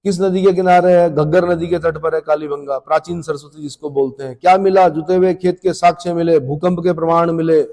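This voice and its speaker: A man teaching an exam coaching class, firing off quiz questions and answering them himself, brisk and scolding. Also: on the high side, steady tone, mellow, big-room sound. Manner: drills students with questions and answers. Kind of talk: rapid-fire exam coaching lecture.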